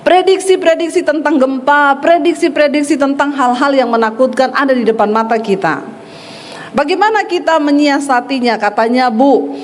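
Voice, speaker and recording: Middle-aged woman pastor, forceful storyteller, slightly high voice, long hall reverb. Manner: animated, acts out quoted voices, blunt and forceful. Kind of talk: sermon with storytelling.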